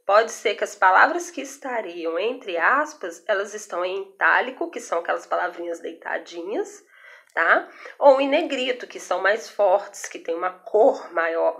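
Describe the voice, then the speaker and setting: A young Brazilian Portuguese teacher with a Brazilian accent explains a grammar lesson in a recorded video, patiently checking in with her students often. Her voice is medium-pitched, gravelly and a bit bright.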